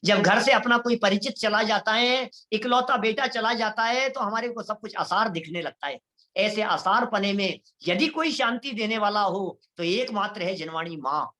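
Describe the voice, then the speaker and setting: A man preaches a devotional Jain sermon with a bright, forward tone. He addresses listeners directly as "bhai sahab" and acts out the voices of people he quotes. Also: high-pitched, normal speed. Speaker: Jain lecturer. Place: online lecture series.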